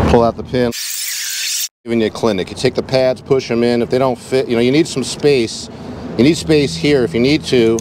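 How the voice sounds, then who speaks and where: Against noticeable background noise but with a dry sound and no echo, a man speaks at a fairly quick pace with ordinary pitch variation. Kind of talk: casual vlog chat and tutorial. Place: street. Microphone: phone near.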